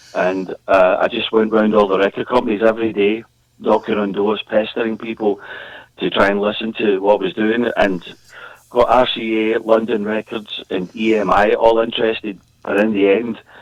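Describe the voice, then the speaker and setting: A man with a Glaswegian accent speaks at a moderate pace in a fairly low pitch, his intonation monotone and flat. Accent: Glaswegian Scottish. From Scotland, Glasgow. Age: 60s. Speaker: singer. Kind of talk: interview.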